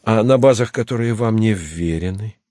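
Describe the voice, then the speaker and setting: A man's voice: fairly low pitch, normal speed, a little mellow, no echo, clean studio sound, natural voice. Leonid: a man voicing a whimsical star pilot. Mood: capricious. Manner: whimsical, teasing, lightly offended. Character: famous starship pilot, playful and capricious. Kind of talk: audiobook character reading.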